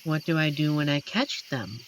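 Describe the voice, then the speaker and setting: A woman voicing an amiable, playful female werewolf who guards a forest, in a scripted audio roleplay spoken to the listener with a teasing, chatty manner and dramatic pauses. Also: sits low, noisy background, close to an everyday voice. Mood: darkly amused, menacing.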